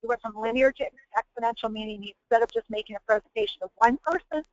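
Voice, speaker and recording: Female webinar host, higher voice, explanatory coaching delivery that circles back to rephrase; dry, slightly muffled lo-fi audio. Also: fast, darkish tone, dry recording.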